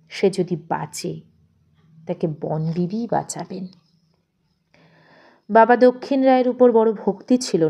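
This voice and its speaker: A woman narrating a literary audio story in an expressive, measured, dramatic way. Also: on the high side.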